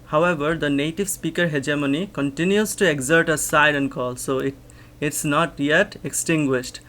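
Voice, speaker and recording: A man's voice: on the high side, normal speed, a bit bright. A young Bangladeshi man with a Bangladeshi accent, a native Bangla speaker, reading a research paper aloud and explaining it line by line, thinking aloud with frequent restarts and rhetorical "right?"s. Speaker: English teacher and channel host.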